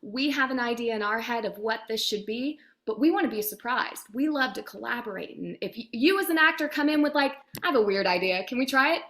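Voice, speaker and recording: A woman's voice: on the high side, lively intonation, a little fast, few pauses, fairly bright tone. A woman talking as an interview guest in an enthusiastic, chatty, emphatic conversational manner, explaining her work as a producer and director.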